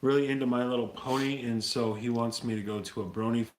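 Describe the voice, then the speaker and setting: A man's voice: medium pitch, steady tone, quick pace. A man hosting a casual livestream chat through a tablet mic, cracking crude jokes. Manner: crude joking banter. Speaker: livestream host. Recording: echoey room with faint noise.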